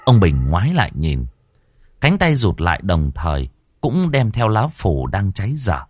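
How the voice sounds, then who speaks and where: Guy reading a spooky story, dramatic and lively, dry recording. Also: low voice, unhurried, dry recording, faint music behind. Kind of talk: audiobook narration.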